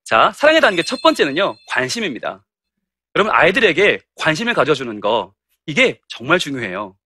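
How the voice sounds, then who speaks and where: Brief: middle-aged pastor lecturing teachers, animated and humorous, very expressive pitch. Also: male voice, a little fast, husky, no room sound. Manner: animated and humorous, acting out anecdotes. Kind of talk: lively lecture to church teachers.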